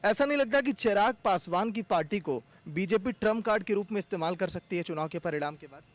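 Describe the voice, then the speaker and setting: Probing high-voiced news reporter man. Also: animated, quick pace. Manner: pointed, probing questions. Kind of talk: field interview and sign-off.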